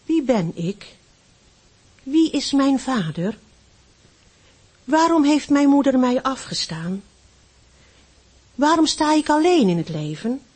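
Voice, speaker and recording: A woman's voice: high-pitched, sing-song, a little slow, voice pushed up. A woman reading aloud, voicing a small, hot-tempered village boy who bursts out and then pleads. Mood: anguished. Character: boy foundling, small, fiery and hurt.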